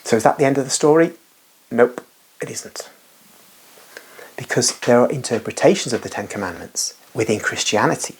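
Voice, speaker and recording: A man's voice: mid-range voice, animated, normal speed, pauses often, breathy edge. A man giving an unscripted, rambling religious monologue as a Catholic commentator, emphatic and full of asides and restarts.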